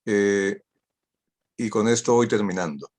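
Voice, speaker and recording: This is an older man from Spain whose first language is Catalan, speaking in a low voice. He gives a talk over a video call and sounds witty and ironic. He drives his points home by repeating phrases. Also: slow pace, a little mellow. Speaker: guest speaker. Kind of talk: online talk.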